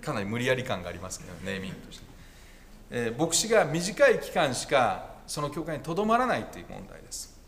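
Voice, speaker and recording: A man's voice: mid-range voice, sing-song, quick pace, fairly bright tone, slight background noise. A male pastor preaching a conversational sermon with wry asides and self-corrections.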